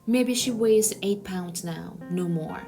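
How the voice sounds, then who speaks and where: A woman voicing an anxious young mother in a storybook, hushed and pleading for her baby. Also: on the low side, takes it slowly, creaky, faint music behind. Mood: quiet, worried.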